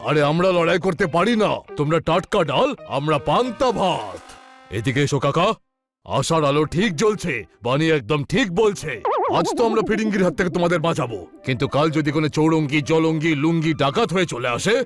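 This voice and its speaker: A man's voice: fairly high pitch, expressive, fairly quick, close to an everyday voice. A man voicing a goofy, complaining cartoon buddy who talks in singsong rhymes. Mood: comic grumbling. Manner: singsong rhyming, dramatic complaining. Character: goofy, whiny, rhyming cartoon buddy, comic male. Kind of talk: children's cartoon dub. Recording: faint music behind.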